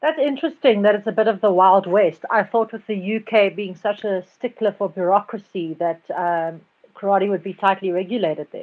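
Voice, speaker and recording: Pitch varies in an ordinary way, and the speech runs with hardly any pauses. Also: woman, moderate pace. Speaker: karate instructor and podcast host. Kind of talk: casual interview chat. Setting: live stream video call. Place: home room. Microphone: earbuds.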